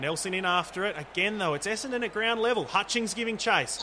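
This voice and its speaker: A man at a very fast pace, lively intonation and noticeable background noise. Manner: fast, animated ball-by-ball calling with quick play descriptions and playful humour; chatty, light-hearted, laughing.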